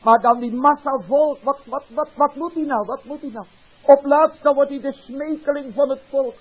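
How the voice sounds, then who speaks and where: A man preaching a sermon in a dramatic way, crying out loudly at times and dropping to quiet asides. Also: steady tone, moderate pace, narrow, tinny audio. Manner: dramatic, swings from loud cries to quiet low asides.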